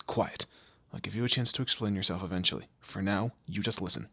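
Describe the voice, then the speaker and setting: A man playing a commanding, teasing demon lord in an audio roleplay, with a low gravelly, husky voice and an imperious, theatrical manner. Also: a little fast, pushed and bright, no echo, exaggerated voice. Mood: stern, threatening. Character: male demon lord, commanding, menacing, teasing boss of hell. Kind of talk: scripted audio roleplay addressed to the listener.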